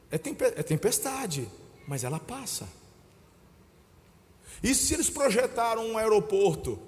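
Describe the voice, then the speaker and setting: A Brazilian man preaching in a high voice, heard in a church hall with a long reverb. He tells stories and calls his listeners brother, dropping to a hush and then rising to shouts. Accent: Brazilian Portuguese. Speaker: pastor. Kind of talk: sermon.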